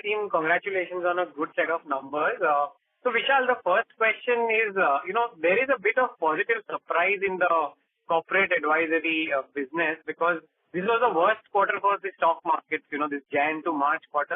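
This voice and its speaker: A man's voice: high voice, fairly quick, dry recording. A man, a financial analyst, asking questions on a conference call in a rambling way with lots of fillers. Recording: dry tinny phone line.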